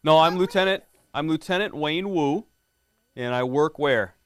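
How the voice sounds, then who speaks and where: A man's voice: a little high, unhurried, a little hiss or hum. A middle-aged man, a police lieutenant, reading a picture book to a class of schoolchildren in a friendly way and often quizzing them. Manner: friendly, quizzing the kids, often asks "right?".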